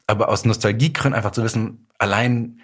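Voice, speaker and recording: A man's voice: lowish voice, fairly even intonation, a little fast, husky. A man chatting casually and anecdotally as the guest author in an interview. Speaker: guest author of audio dramas and a novel. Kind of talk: casual podcast interview chat.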